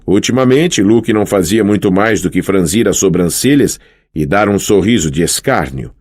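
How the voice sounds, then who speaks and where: A man narrating an audiobook in first person, with expressive storytelling. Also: sits low, normal speed.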